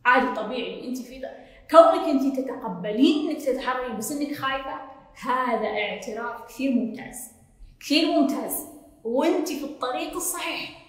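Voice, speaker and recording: A quick-talking woman with a Gulf Arabic accent answers questions as a self-development coach, sitting a little high in pitch. She sounds emphatic and reassuring and circles back to repeat her points. Her voice rings with heavy, long reverb, as if in a big echoing hall. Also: lively intonation. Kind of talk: casual Q&A talk.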